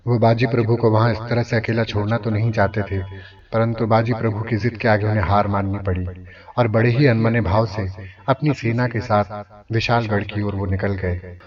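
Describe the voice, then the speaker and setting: A man's voice: fairly low pitch, flat delivery, moderate pace. A man narrating a scripted historical story in a formal, dramatic manner. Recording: distant, dull lo-fi, crowd noise behind.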